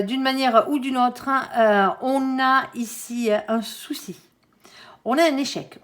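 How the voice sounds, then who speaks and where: A woman with a Southern French accent giving a casual, chatty tarot reading to her viewers. She fills her talk with little tag words and laughs at her own jokes. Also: fairly high pitch. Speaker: tarot reader.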